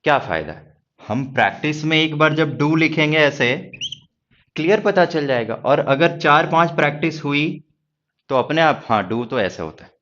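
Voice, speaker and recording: A man's voice: a little high, animated, normal speed, a bit bright, dull audio. A man with a Hindi accent teaching a stenography class, reassuring his students and asking them rhetorical questions. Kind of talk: classroom lecture.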